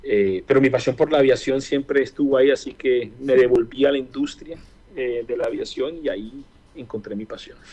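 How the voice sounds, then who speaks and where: A man in his forties with a Caribbean Spanish accent from Barranquilla, answering casually in an interview with hesitant, drawn-out pauses. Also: mid-range voice, darkish tone, lo-fi sound. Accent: Colombian Caribbean Spanish (costeño, Barranquilla). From Barranquilla, Caribbean coast of Colombia. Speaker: interview guest, aviation engineer. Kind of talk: casual interview, personal reflection.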